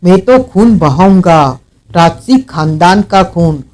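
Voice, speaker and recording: A man voicing a vengeful, hot-tempered male outlaw in an audiobook, shouting and snarling his threats. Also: high voice, expressive, takes it slowly. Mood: furious. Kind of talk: audiobook character reading.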